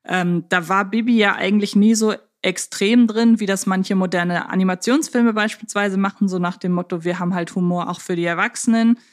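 A woman talks as a podcast co-host at a middle pitch. She reasons things through casually, with a dry sense of humour. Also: steady tone, a little fast, hardly any pauses.

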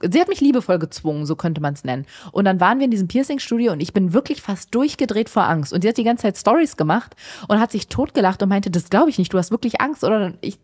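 A young woman chatting casually on a podcast, telling her own stories with animated energy and quick laughs. Her voice sits at a middle pitch for a woman. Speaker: podcast host. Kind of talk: casual chat.

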